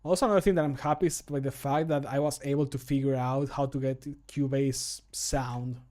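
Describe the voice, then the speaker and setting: A man's voice: medium pitch, steady tone, fairly quick, darkish tone. A man in his thirties chatting casually as a streamer, in a joking, self-deprecating manner. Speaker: streamer, amateur voice actor. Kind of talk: casual chat while recording. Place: small home room, indoors.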